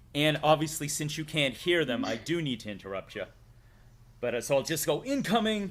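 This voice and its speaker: Speaking at a fairly quick pace, a man with a Massachusetts accent uses a fairly high pitch with very wide pitch swings. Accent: Massachusetts accent, similar to Boston. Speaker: livestreamer. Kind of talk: casual chat.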